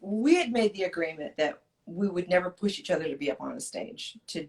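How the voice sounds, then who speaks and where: A woman's voice: fairly low pitch, lively intonation, brisk, darkish tone. A woman co-hosting a casual chat show as a sexologist, giving frank advice and laughing often. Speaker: co-host, sexologist.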